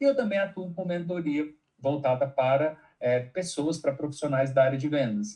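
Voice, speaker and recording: With a dark, mellow tone, a man speaks at a fairly high pitch and moderate pace, his pitch varying in an ordinary way. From Brazil, interior of Goiás. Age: 30s. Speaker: sales trainer and entrepreneur. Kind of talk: podcast interview.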